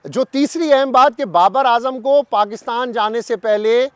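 Fifties male cricket journalist, Pakistani Urdu accent, high-pitched, emphatic and repetitive, speaking to camera. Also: normal speed, a bit bright, clean tone, dry recording. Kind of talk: direct-to-camera commentary. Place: sunny garden outdoors.

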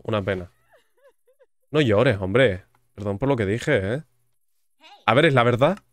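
A man's voice: medium pitch, no room sound. A man with a Spain Spanish accent giving chatty, joking commentary while playing a video game and reading its text aloud. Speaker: gaming YouTuber. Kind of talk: gaming commentary.

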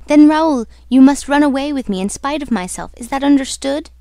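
A woman's voice: high voice, animated, brisk, dark tone, no echo, studio quality, pitched above the performer's own voice. A woman voicing a fearful, earnest young female opera singer in a dramatic, pleading manner for a storybook. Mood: insistent.

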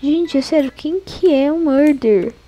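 A young Brazilian woman commentating her own online game for her viewers, excitable and chatty, often squealing and laughing. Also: high voice, a little slow, a little hiss or hum. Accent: Brazilian Portuguese. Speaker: gaming YouTuber.

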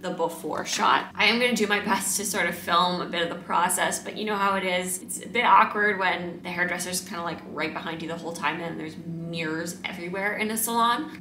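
A woman in her thirties chatting casually to viewers in a bubbly, excitable, girly manner, recorded at home. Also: medium pitch. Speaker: vlogger. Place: indoors at home, living room and kitchen. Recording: roomy echo, faint background noise.

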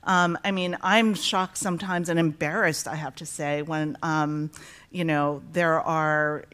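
A woman interviewer with a fairly low voice speaks on a library stage. She talks in a chatty, emphatic way and often pauses with fillers. She uses a handheld mic. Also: fairly even intonation, a bit bright, clear, resonant tone. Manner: conversational, emphatic, with many fillers. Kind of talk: onstage conversation.

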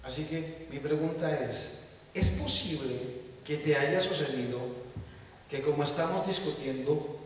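A man's voice: on the high side, measured pace, slight background noise. A man preaching a sermon to a live congregation, impassioned and putting questions straight to the listeners. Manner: impassioned, questions the audience directly. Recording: echoey hall, voice from a distant mic.

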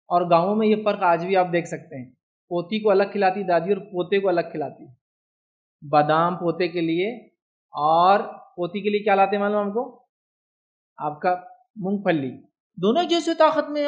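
In a lo-fi recording, a man with a high voice and Indian Hindi-Urdu accent lectures on Islam. His tone is chatty, and he frequently turns to his listeners with "do you understand?"

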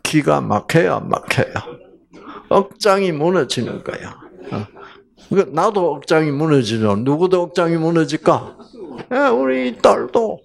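A man giving a Bible lecture as a lively storyteller, asking the audience questions as he goes. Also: on the high side, unhurried, creaky.

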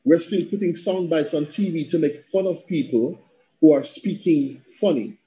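A Jamaican man speaks passionately in a fairly high but mellow voice, slipping into patois with a rhythmic delivery. He is a guest on a video call, and the sound is a little dull. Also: normal speed. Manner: animated, rhythmic, slips into patois. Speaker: panel guest, theatre practitioner and coach. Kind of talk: passionate conversational talk. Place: indoor room at home on a video call.

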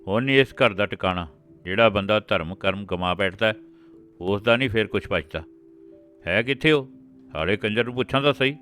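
An earnest, worried old village patriarch, as a man acts him out in a storybook reading. The voice climbs well above the reader's usual low register and stays a touch louder. Faint instrumental music sits far in the background. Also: fairly quick, clear, resonant tone, close to an everyday voice. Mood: stern. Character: older grandfather, anxious village patriarch.

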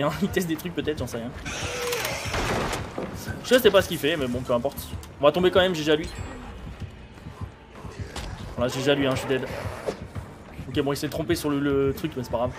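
A man in his thirties thinking aloud in blunt, informal live gameplay commentary as a streamer. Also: on the high side. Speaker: game streamer. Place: indoor streaming setup.

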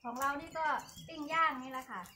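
A woman's voice: high voice, quick pace, sharp tone. A middle-aged woman chatting casually to viewers outdoors as she eats. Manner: talking while eating. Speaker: vlogger. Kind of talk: casual chat to viewers over a meal. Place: outdoor patio at a meal table beside an electric grill. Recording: noisy outdoor recording with sizzling grill.

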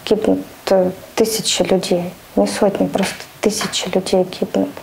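Woman interviewee, gravelly mellow voice, flat halting delivery. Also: medium pitch, slight background noise, low-quality recording. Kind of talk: emotional testimony.

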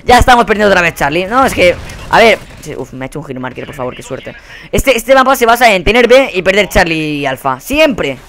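Foul-mouthed Spanish gamer yelling at his match. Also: high-pitched, sing-song, a little fast. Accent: Spain Spanish. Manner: profane, exasperated ranting with sudden yelled outbursts. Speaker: gaming channel host. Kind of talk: live gameplay commentary.

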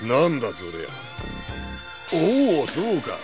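An actor playing a coarse, bullying thug who talks in rough street slang, in anime audio drama style. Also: male voice, mid-range voice, very animated, unhurried, music in the background. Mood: menacing, sneering. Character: coarse bullying thug trying to seize a shop.

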